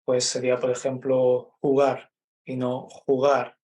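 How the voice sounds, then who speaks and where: Andalusian man with a flat, even voice. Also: mid-range voice. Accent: Andalusian Spanish (Málaga). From Málaga, Spain. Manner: explanatory, measured, frequent "¿no?" tags. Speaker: Spanish teacher, guest. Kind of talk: interview, explaining dialect features.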